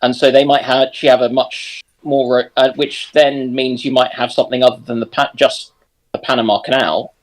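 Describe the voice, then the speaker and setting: Guy chatting on a panel, normal mid voice, kinda tentative, thinking out loud. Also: medium pitch, steady tone, moderate pace. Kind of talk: casual discussion.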